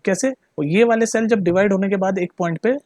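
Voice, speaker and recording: A man's voice: high-pitched, fairly quick, a little mellow, no room sound. A male teacher explaining a lesson casually, mixing in English terms, repeating words for emphasis and often checking that the listener follows. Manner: chatty, keeps checking the listener understands; mixes Hindi with English terms.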